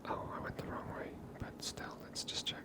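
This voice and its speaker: A gamer giving gentle, hushed ASMR commentary over a video game, whispered close to the microphone. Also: normal speed. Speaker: ASMR gamer, channel host.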